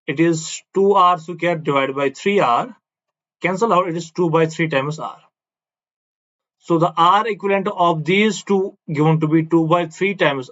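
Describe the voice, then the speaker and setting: A man's voice: on the high side, a bit bright, highs cut off. A man with a South Asian accent giving a classroom physics lecture, explaining step by step, repeating himself and adding question tags. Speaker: physics teacher.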